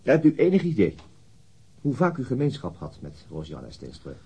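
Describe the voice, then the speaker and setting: An actor playing a police detective in a radio drama, asking probing questions in a formal, hesitant, husky manner. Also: male voice, mid-range voice, wildly swooping pitch, moderate pace, dark tone, full character voice. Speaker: police interrogator. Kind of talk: radio drama interrogation acting.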